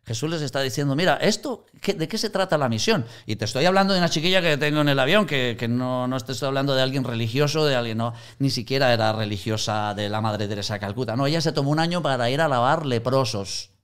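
A man's voice: mid-range voice, fast, few pauses, clear, resonant tone. A man in conversational teaching on Christian mission, telling anecdotes and acting out quoted voices. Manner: animated storyteller, acts out quoted voices.

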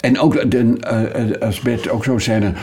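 An older man, a guest voice actor, telling stories in a relaxed interview, hesitant with many fillers. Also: medium pitch, normal speed.

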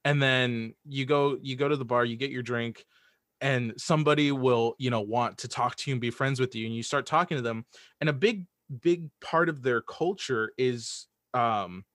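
A man's voice: mid-range voice, normal speed, fairly bright tone, no room sound, clean studio sound. A man in a casual podcast chat, talking hesitantly and repeating words as he hedges his points. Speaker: podcast guest, audio drama writer.

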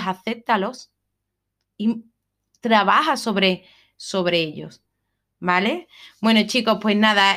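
A woman's voice: mid-range voice, fairly bright tone. A woman from hosting a solo self-help podcast, talking in a reflective way and often checking in with her listeners. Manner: reflective, frequent "¿vale?" checks, some fillers. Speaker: podcast host.

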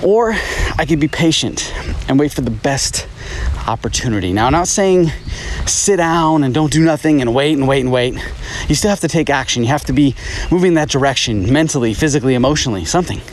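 A man's voice: medium pitch, lively intonation, a little fast, slight background noise. Man talking into a phone, outdoors. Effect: recorded on a phone. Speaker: podcast host. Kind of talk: motivational talk. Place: outdoors at a park.

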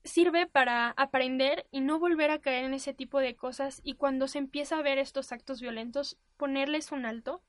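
A young Mexican woman with a high-pitched voice recounts a personal story to an audience. She talks candidly and with animation. The sound is dry and close. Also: steady tone, moderate pace, few pauses, no room sound. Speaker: speaker telling a personal story.

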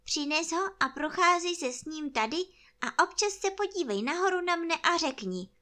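A woman reading a storybook, voicing a naive, cheerful little honey-loving teddy bear in a high, sing-song, earnestly silly way. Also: animated, bright, forceful tone, full character voice.

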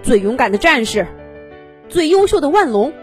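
Woman as an emphatic, high-pitched triceratops captain. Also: very animated, moderate pace, a little mellow, faint music behind. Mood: rousing, urgent. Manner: formal, rousing, emphatic. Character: earnest, commanding triceratops team captain writing an urgent plea.

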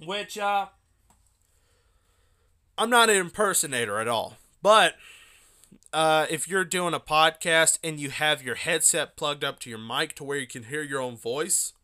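Bright, clear-voiced young man rambling casually. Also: a little high, measured pace. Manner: rambling, loose with many fillers and asides. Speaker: podcast host. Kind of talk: casual solo podcast talk.

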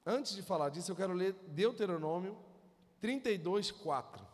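A man with a Carioca accent preaching a sermon, animated and exhorting the congregation. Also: high-pitched, moderate pace. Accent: Carioca Brazilian Portuguese. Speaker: pastor. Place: church hall. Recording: reverberant hall.

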